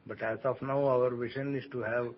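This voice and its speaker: A man answering analysts as a company executive on an earnings call, speaking haltingly and often rephrasing. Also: level tone. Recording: muffled conference call line, noisy rumble.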